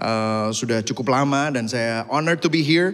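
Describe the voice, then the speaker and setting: A man at a medium pitch is heard with audible room echo. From Indonesia, Surabaya (East Java). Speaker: pastor. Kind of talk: sermon. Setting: church.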